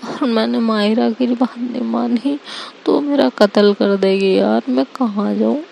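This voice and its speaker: Woman doing a fed-up young woman, dramatic complaints, gravelly, dark tone, storybook. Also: on the high side, fairly even intonation, unhurried, slight background noise. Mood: exasperated. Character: young woman torn between two girlfriends, exasperated.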